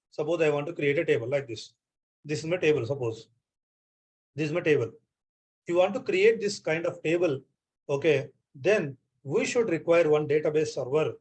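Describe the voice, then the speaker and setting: Man, Indian accent, online lecture, repeats himself, checks understanding, higher pitch. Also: a little mellow, slightly rough. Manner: repeats phrases often, checks on students. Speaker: trainer.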